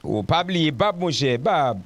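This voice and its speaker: A man's voice: on the high side, expressive, measured pace, a crowd in the background. A man with a Haitian accent hosting a talk panel in casual chat, hesitant and stumbling over restarts.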